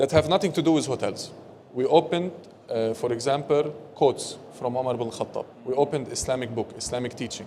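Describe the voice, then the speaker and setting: Through noticeable background noise, a man speaks with a fairly high pitch. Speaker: hotel company executive. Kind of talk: panel discussion. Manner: fast.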